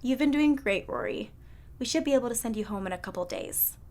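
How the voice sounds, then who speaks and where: A woman's voice: a little high, expressive, a little fast, a little mellow. A woman playing a sly, helpful hospital nurse in a fiction podcast, self-assured and teasing.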